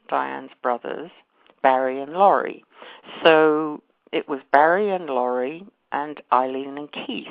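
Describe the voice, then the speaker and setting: A woman with a faded London accent, speaking as an author guest. Her voice has a gravelly, fried edge, and she talks in a chatty way, correcting herself and laughing easily. The sound is dry and tinny, like a phone call. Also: rumbling low, no room sound. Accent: London English, faded. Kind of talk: phone interview.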